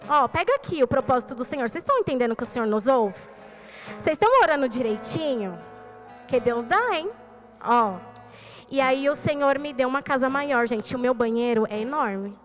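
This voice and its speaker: High-voiced Brazilian woman preaching. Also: lively intonation, brisk, soft background music. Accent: Brazilian Portuguese. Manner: storytelling, addresses the congregation directly. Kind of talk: sermon testimony. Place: church service.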